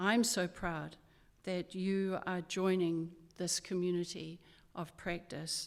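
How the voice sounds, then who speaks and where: A woman with a New Zealand accent, fairly low-pitched, speaking very slowly in a flat monotone, on a very clean recording with a silent background. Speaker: university leader. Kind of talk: ceremonial speech. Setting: hall with audience. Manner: formal.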